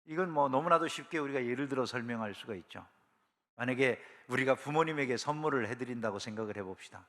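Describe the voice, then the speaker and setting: A man's voice: mid-range voice, fast talker, a bit bright, big-room sound. A man preaching a sermon as a pastor, in a conversational style with frequent rhetorical questions to the congregation. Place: church sanctuary.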